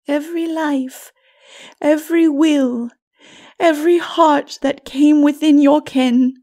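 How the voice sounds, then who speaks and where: A woman voicing a sorrowful, righteous holy woman in a dark fantasy audiobook, breathy and often near a whisper, solemn and pleading. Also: high voice, exaggerated voice.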